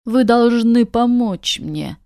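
A woman's voice: mid-range voice, steady tone, warm tone, no room sound, studio quality, lightly acted. Trinket, a woman voicing a hissing limbless sorcerer. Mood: scheming. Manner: slow, wheedling then hissing with spite. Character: scheming male sorcerer, limbless, trapped in a cellar.

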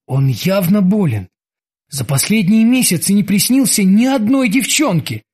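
A man narrating an audiobook in a lively, vivid reading. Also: sits high, husky.

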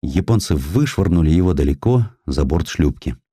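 A man narrating historical prose as an audiobook, with a measured, expressive and dramatic literary delivery. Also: a bass voice, slightly rough, dry recording, clean studio sound. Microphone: close studio microphone.

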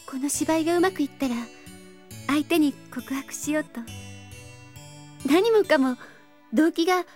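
A timid, earnest schoolgirl in an anime audio drama, with a very high, delicate voice. She speaks sweetly and politely, a little hesitant, over background music. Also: a little slow, darkish tone. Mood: shy, earnest. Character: shy, earnest teenage drama club girl, politely sweet.

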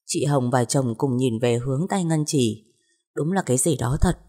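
Horror storyteller: a woman with a low, warm voice, reading in an even, suspenseful way. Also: moderate pace. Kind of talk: scripted narration of a ghost story.

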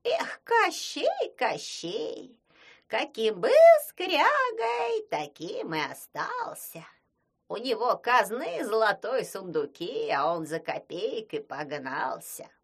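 A woman voicing a boastful, fawning old witch with a husky, wailing voice. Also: medium pitch, huge pitch swings, slow pace, fairly bright tone, full character voice. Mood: cackling. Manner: wailing, sing-song exclamations.

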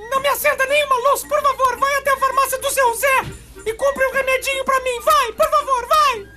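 Man putting on a high, whimpering wife. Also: fairly even intonation, fairly quick. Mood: whimpering pleading. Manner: whimpering, pleading. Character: whining headachy wife pleading in darkness. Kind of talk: acted comic joke telling on radio. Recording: music bed behind the voice.

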